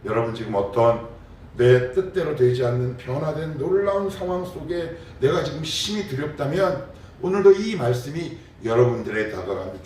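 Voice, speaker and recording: A man's voice: mid-range voice, darkish tone, a little hiss or hum. Emphatic male pastor in an echoey church. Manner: emphatic preaching with rhetorical questions to the congregation. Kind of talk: sermon. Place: church sanctuary. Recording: very echoey church recorded from a distance.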